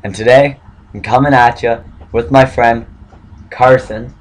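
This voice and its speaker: A young man with a cold and a hoarse voice, hosting casual gaming commentary while opening card packs, swearing and swinging from mumbling to excited shouts. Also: medium pitch, a little slow, low-quality recording. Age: young adult. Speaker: gaming channel host.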